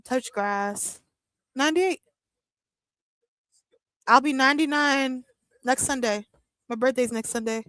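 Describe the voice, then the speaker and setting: A woman's voice: high-pitched, takes it slowly, pauses often, fairly bright tone, smooth, dry recording, poor audio. A woman in her thirties chatting casually on a live wrestling watch-along, joking with her chat, laughing often and using lots of fillers. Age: 30s. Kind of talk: casual live-stream chat reading comments.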